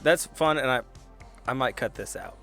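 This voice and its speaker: Man chatting casually, medium pitch. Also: normal speed, sharp tone, faint music behind. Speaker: player in a tabletop game. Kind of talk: casual chat.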